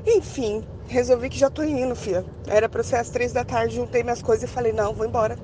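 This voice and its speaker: A woman's voice: on the high side, a little fast, background noise. A woman with a Brazilian accent telling a story dramatically in a casual chat and acting out the dialogue. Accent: Brazilian Portuguese. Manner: dramatic, animated storyteller who acts out dialogue. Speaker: podcast co-host.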